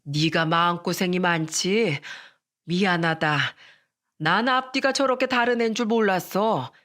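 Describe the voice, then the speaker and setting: A woman's voice: medium pitch, normal speed, fairly bright tone, lightly acted. A woman voicing an older mother-in-law, firm and scolding. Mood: gentle. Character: stern but kind older mother-in-law.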